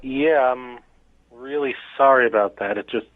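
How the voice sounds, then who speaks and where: A man heard over the phone, the sound tinny and dry. He answers a call at work and sounds puzzled and irritated as he pushes back. His voice sits at a middle pitch. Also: moderate pace, no echo. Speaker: prank call target. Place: at his workplace.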